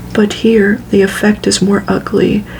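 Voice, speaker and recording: Against noticeable background noise, a soft-spoken woman talks at a fairly slow pace. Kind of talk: reading out card descriptions.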